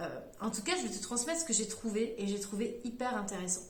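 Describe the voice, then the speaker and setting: Audible room echo follows a woman speaking at a fairly high pitch. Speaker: sound therapist and shamanic practitioner. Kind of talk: video talk on spiritual symbolism. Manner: halting, stumbling over words.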